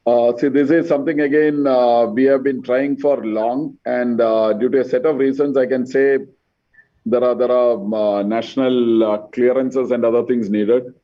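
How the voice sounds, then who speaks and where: An executive speaks from some distance from the microphone. The call-line audio is dull and muffled. His answers are measured and halting, with many repeated words. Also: mid-range voice, steady tone. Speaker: company executive. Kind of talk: earnings conference call answers. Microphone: conference call line.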